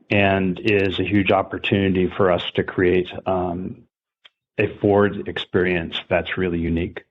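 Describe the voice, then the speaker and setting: Low male technology executive, slightly muffled. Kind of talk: measured corporate explanation on earnings call. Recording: slightly muffled conference call audio.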